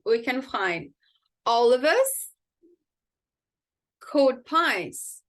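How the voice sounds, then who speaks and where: A woman English teacher gives an online lesson, moving between quick explanations and slowly modeled words for learners to repeat. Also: sits high, fairly bright tone.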